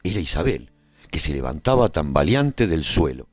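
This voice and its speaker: A battle-seasoned adventurer played by a man tells his tale as a radio serial narrator. The voice is very low, with dramatic, widely swinging intonation. The sound is dry and close. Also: big pitch swings, moderate pace, no room sound, faint music behind, exaggerated voice. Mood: dramatic, solemn. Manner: dramatic, storytelling. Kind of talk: scripted dramatic first-person narration.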